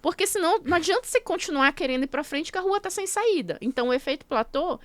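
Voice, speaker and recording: A woman with a fairly high voice talks as a podcast guest, laying out her points one step at a time. Her comes through in easy, casual speech. The sound is close and dry, with no room behind it. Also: animated, fast talker, dry recording. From Brazil. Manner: explanatory, walks through steps one by one. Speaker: guest, nutrition coach.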